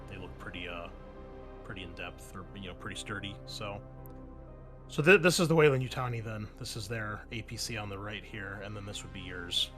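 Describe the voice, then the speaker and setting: A man running a tabletop game as game master, explaining the scene conversationally in a hesitant, piece-by-piece way. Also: lowish voice. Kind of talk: improvised tabletop game narration and chat.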